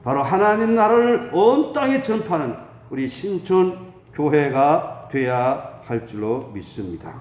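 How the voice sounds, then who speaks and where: A man's voice: fairly high pitch, very animated, measured pace, darkish tone. A man preaching a sermon as a pastor, fervent and exhortatory, posing rhetorical questions and answering them himself. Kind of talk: dawn prayer sermon. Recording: echoey room with faint background noise.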